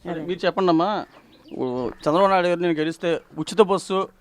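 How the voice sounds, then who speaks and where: Male street reporter, fast and prompting, slightly high voice. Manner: brisk, prompting, brief hums. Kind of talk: street interview questions.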